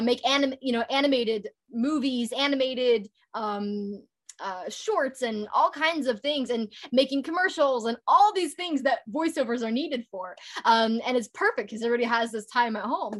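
A young woman with a high voice talks casually as an interview guest. She is chatty and upbeat, and she peppers her speech with fillers and false starts. She works as a voice actor and author. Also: a bit bright. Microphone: home recording setup.

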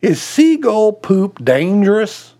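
A man voicing a kindly, sympathetic older man at a bar, gentle and folksy. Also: high-pitched, very animated, slow pace, heavily acted.

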